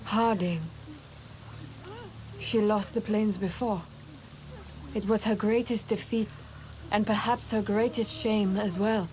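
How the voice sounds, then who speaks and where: A woman's voice: medium pitch, fairly even intonation, slow pace, pauses often, a little mellow, lightly acted. An actress playing a grave, composed tribal woman in a video game. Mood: somber.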